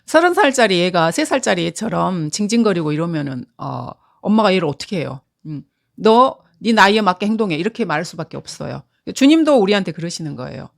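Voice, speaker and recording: Lively-voiced woman teaching a Bible lesson. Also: medium pitch. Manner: earnest, conversational, with many fillers.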